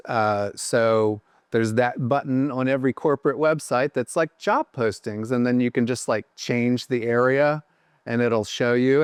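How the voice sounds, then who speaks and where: A man's voice: mid-range voice, smooth, no echo, studio quality. A man guesting on a podcast, telling rambling, self-deprecating stories about his career with lots of fillers. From Ohio. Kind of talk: casual podcast chat.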